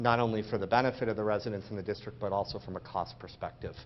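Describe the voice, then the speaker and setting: This is a man's voice. His pitch is fairly low. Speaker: township official. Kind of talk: public meeting Q&A. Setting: township board meeting with audience. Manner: loud; animated.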